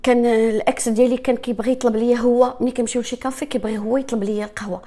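A woman's voice: a little high, steady tone, very fast, warm tone. A woman with a Moroccan accent speaking earnestly to her viewers about her own experience, dropping French and English words into her speech. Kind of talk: personal talk to viewers.

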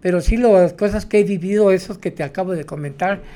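A man's voice: sits high, fairly quick, mellow. A man, a taxi driver, telling his stories in a rambling way, tagging his sentences with "¿no?". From Mexico. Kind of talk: storytelling interview.

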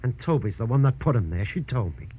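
An American actor playing a shifty, whining little paroled crook, talking in gangster slang in 1940s radio style. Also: male voice, medium pitch, very animated, fast talker, breathy edge. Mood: whining, defensive. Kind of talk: 1940s radio crime acting. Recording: dull old radio recording.

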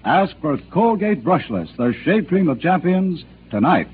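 A man's voice: on the high side, very animated, measured pace. A male announcer delivering an upbeat, salesy radio commercial. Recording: tinny old radio broadcast with hiss.

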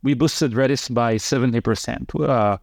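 A man's voice: medium pitch, moderate pace, creaky, darkish tone, no echo. A man, a company co-founder, answering interview questions casually with many fillers and restarts. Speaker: guest, company co-founder and CEO.

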